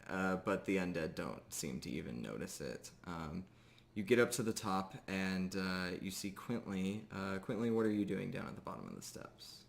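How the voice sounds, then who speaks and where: A man's voice: deep voice, normal speed, vocal fry, a little hiss or hum. A man improvising narration as game master of a tabletop game, describing scenes in short, hesitant pieces.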